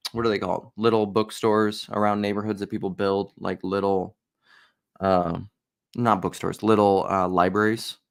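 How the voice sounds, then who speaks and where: Gravelly man rambling through commentary. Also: lowish voice. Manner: rambling, jumps between ideas. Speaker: video commentator. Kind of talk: casual commentary and reading aloud.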